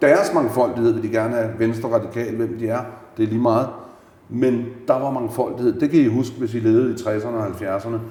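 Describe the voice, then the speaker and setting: A man with a medium pitch talks fairly quickly with fairly even intonation. Noticeable background noise and audible room echo surround him. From Denmark, Gladsaxe (Copenhagen area). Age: 60s. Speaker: author and public speaker. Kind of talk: casual chat.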